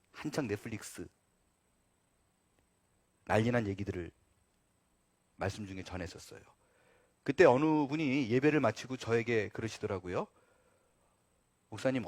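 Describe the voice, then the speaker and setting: Male pastor mid-sermon, high-pitched and close-miked, earnest and dynamic. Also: no echo. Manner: earnest preaching, swings between loud emphasis and quiet low asides.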